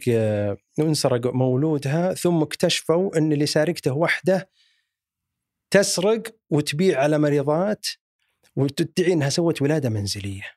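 A man with a Saudi accent voicing a hurried, weary female doctor in a told story. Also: fairly high pitch, a little mellow, no echo, studio quality.

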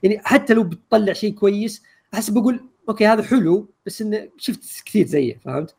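A man chats on a podcast at a breakneck pace, rambling with lots of fillers. His voice is gravelly and a bit husky, and sits slightly high for a man. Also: animated, a little mellow. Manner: rapid, rambling with many fillers. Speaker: podcast co-host. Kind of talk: casual chat.

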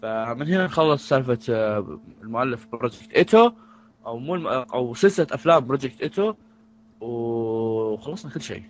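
A man's voice: mid-range voice, animated, quick pace. A man co-hosting a casual podcast, rambling and restarting his sentences often. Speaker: podcast co-host.

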